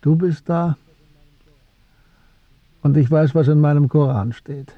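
An actor playing a wise, gentle old Muslim shopkeeper who teases and philosophizes unhurriedly in a radio drama. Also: male voice, fairly high pitch, slow pace, no room sound, narrow, tinny audio. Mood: serene, wise. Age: older.

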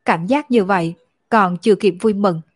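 A woman voicing a lonely, orphaned young woman who speaks slowly with grief and a choked edge. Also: medium pitch, husky, no echo, studio quality, close to an everyday voice. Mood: sorrowful. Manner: slow, grieving, choked delivery.

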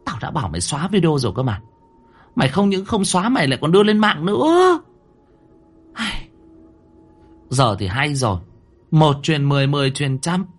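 A man's voice: medium pitch, lively intonation, a little fast, long pauses, breathy edge, soft background music. A man voicing a furious, bossy middle-aged mother who screeches threats and scoldings.

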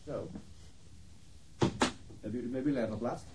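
A man's voice: medium pitch, normal speed, dark tone, breathy edge, poor audio. An actor playing a courteous, businesslike male police investigator in a Dutch radio crime drama.

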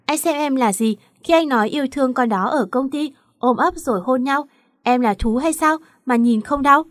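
A woman voicing a hurt, gentle young wife in a read-aloud story, sounding close and dry. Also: sits high, normal speed, no room sound, voice pushed up, natural voice. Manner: pleading, then confronting.

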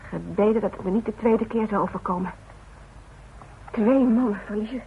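On an old recording with narrow, tinny audio and slight background noise, an actress in a naturalistic radio play portrays a devoted, plain-spoken woman who firmly and directly coaxes her stubborn father. She sounds worried and reproachful, lightly acted, with a mid-range voice at a moderate pace.

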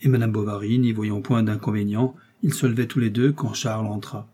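A man narrating a classic novel as an audiobook with a measured, even reading. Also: fairly low pitch, husky.

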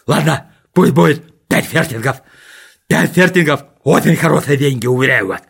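Greedy old miser, gravelly and husky, high. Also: male voice, normal speed, a bit bright, exaggerated voice. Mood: indignant haggling. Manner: haggling, indignant, wailing. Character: greedy, whiny rich old male miser. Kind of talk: audiobook character voice.

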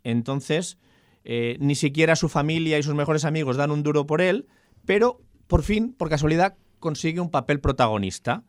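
A man from Catalonia co-hosting a casual chat about new film releases, relaxed and joking as he retells plots. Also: a little high, normal speed, no echo, clean studio sound. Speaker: podcast co-host.

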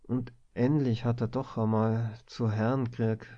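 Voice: mid-range voice, flat delivery, unhurried, warm tone, lightly acted. A cheeky office clerk in an audiobook, put on by a man reading, drawling and mocking, blunt in every word. the recording is dull and lo-fi.

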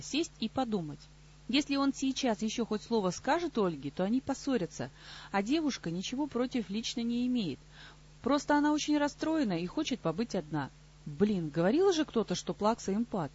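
A woman reads a fantasy novel aloud with a lively, ironic touch. Her voice sits in the middle range with a husky grain, and the recording sounds dull and lo-fi. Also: medium pitch. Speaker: audiobook narrator. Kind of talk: scripted audiobook narration.

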